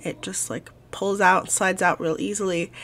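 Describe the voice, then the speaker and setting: Bright and sharp in tone, this woman's medium-pitched voice moves at a moderate pace with fairly even intonation. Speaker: cooking vlogger. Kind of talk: cooking voice-over. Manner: casual, friendly.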